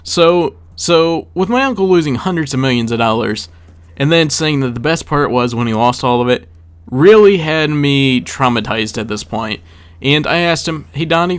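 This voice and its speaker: A man with a mid-pitched voice records casual storytelling commentary as a gaming video creator. He talks conversationally, as if straight to his viewers, and often repeats words to stress a point. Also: moderate pace. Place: voice-over for a gameplay video.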